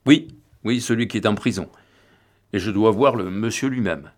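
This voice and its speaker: A man's voice: fairly low pitch, normal speed, natural voice. A man reading an audiobook, voicing a drunk, evasive older man whose answers are hesitant and slurred.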